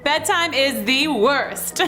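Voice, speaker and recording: A woman's voice: sits high, animated, takes it slowly, bright, forceful tone, soft background music. A woman telling a children's story in character as a girl, with a bubbly, exclamatory, giggly manner. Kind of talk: animated first-person storybook narration in character as a girl.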